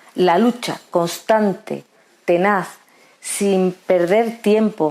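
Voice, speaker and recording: A woman's medium-pitched, dark, mellow voice with an Andalusian accent and ordinary pitch variation, on a very clean recording with a silent background. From Andalusia, Seville. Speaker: politician, nurse and trade unionist. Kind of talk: interview. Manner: halting, with fillers and restarts.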